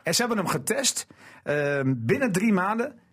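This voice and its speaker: A man leading a casual football chat, asking questions and telling news in an animated way. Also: moderate pace, breathy edge. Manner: animated, questioning, pitch jumps when asking.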